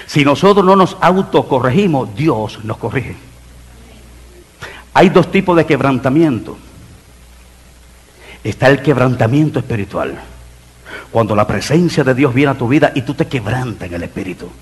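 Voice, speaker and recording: A middle-aged man preaching a sermon in church as pastor, building emphasis and dropping into soft asides. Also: mid-range voice, animated, moderate pace, pauses often, breathy edge. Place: church sanctuary.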